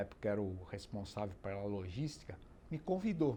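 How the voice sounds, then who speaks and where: This man speaks with a dark, mellow tone. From Brazil, São Paulo. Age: 60s. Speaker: retired fleet and logistics professional. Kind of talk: life story interview.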